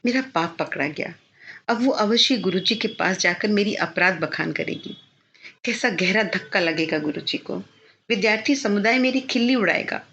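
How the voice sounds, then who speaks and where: A woman's voice: medium pitch, animated, moderate pace, a bit bright, a little hiss or hum. A woman reading as a guilt-stricken young student. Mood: anguished. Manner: anguished inner pleading. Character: remorseful young male student, lovesick, guilt-ridden. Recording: slightly dull lo-fi recording.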